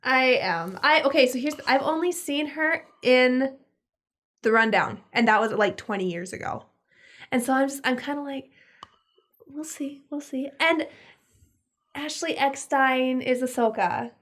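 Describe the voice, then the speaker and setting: A woman with a notably high voice co-hosts a casual podcast. She talks in an animated, emphatic way, pressing her points with playful insistence. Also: unhurried. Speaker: podcast co-host. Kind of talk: casual chat.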